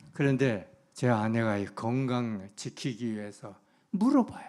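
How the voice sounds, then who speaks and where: A man at medium pitch, ordinary pitch variation and a very slow pace. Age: 80s+. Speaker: pastor. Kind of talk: sermon. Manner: conversational, anecdotal.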